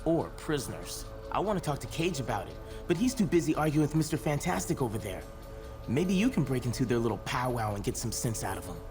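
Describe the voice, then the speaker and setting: An actor playing a young, anxious superhero in a video game, chatty and casual with a wisecracking way of talking. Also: male voice, mid-range voice, big pitch swings, fairly quick, lightly acted. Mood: uneasy chatter. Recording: music under voice.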